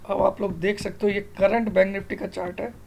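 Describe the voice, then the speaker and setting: A middle-aged stock market analyst and online tutor explains trading charts in an informal screen tutorial, self-assured and emphatic. His high, gravelly, darkish voice has little pitch movement and runs a little fast. He often quizzes the listener to check they follow, with slight background noise.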